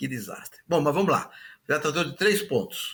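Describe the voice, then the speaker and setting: A man speaks with very wide pitch swings and a bright, sharp tone. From Brazil, São Paulo state (Campinas). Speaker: TV show host. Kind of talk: interview.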